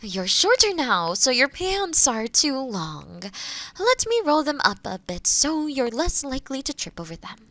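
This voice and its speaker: A woman playing a kind, gentle witch in a fantasy audio roleplay, speaking to the listener in a reassuring, explanatory way. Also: high voice, big pitch swings, unhurried, dry recording, full character voice. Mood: gentle, attentive. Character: kind, gentle forest witch guiding a transformation.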